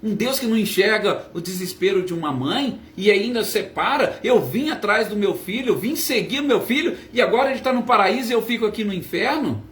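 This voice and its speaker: A man's voice: sits high, lively intonation, a little fast, few pauses, fairly bright tone, slight background noise. A man voicing a desperate, bitter grieving mother spirit in pleading, accusing outbursts. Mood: indignant. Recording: roomy echo, faint ambience.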